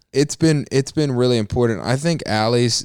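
A man with a plain, everyday voice speaks at a moderate pace and a medium pitch, with ordinary pitch variation, in a very clean, dry, close recording with no echo and a silent background. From Georgia, US South. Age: 20s. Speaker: podcast co-host, pro football player. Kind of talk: casual chat.

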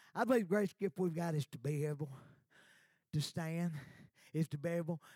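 A man with a Southern US accent speaks at a fairly high pitch. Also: dry, close sound with no echo. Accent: Southern American. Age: 60s. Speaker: pastor. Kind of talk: sermon. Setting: church. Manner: animated.

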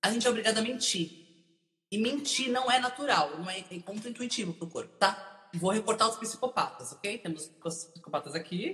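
With a plain, everyday voice, a woman talks at a moderate pace, her fairly high pitch carried by lively intonation. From São Paulo, raised by northeastern family. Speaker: entrepreneur, community builder. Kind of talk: casual interview chat on a livestream.

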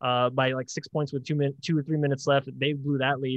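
A normal speaking voice from a man, moderate in pace and fairly high in pitch. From military kid, born in the Philippines, raised in the US. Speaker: sports podcast host. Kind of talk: casual interview.

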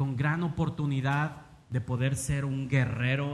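Against a quiet background, a man with a fairly high, somewhat breathy voice talks at a fairly slow pace in a monotone, flat intonation. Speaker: missionary preacher. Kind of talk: sermon.

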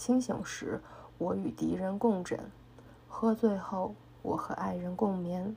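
Somewhat breathy and dark, mellow in tone, a woman speaks at a very slow pace with fairly even intonation. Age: 30s. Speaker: amateur podcaster. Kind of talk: reading aloud.

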